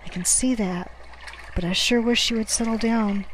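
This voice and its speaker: A woman's voice: fairly high pitch, fairly even intonation, normal speed, a little hiss or hum, lightly acted, poor audio. Woman playing a pleading, anxious raft survivor. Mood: anxious coaxing. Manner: pleading, soothing, apologetic.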